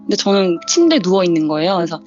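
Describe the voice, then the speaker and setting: A woman recounts her own eerie experience in a relaxed interview, lively and slipping into the voices of the people in her tale. The audio is a bit dull and lo-fi. Soft music plays underneath. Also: lowish voice, very fast. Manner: lively, acts out the quoted dialogue. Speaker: guest telling a true ghost story. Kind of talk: casual storytelling interview.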